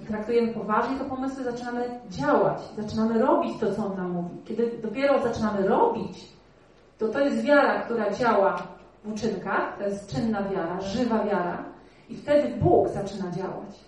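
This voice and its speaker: A woman preacher with a fairly high voice teaches her congregation earnestly, often checking in with rhetorical questions. Her voice rings around a big reverberant hall, picked up from some way off the mic. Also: moderate pace, a little mellow. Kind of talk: sermon. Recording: very echoey hall, voice from far off.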